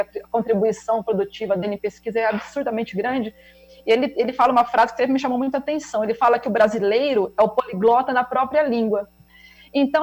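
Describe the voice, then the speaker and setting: Woman with an interior são paulo accent explaining her research on a video call, a bit high-pitched, talks it through thoughtfully. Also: poor audio. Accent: interior São Paulo (rolled caipira R). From interior of São Paulo state, Brazil. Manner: reflective, explanatory, conversational. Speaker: guest researcher and teacher trainer. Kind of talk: web conference presentation.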